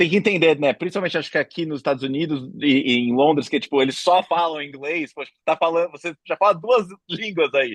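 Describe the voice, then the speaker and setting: A man with a plain, everyday voice speaks at a fairly quick pace with hardly any pauses, a fairly high pitch and ordinary pitch variation, in a dry, close sound with no echo against a quiet background. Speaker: panel moderator, advertising creative. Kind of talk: panel discussion.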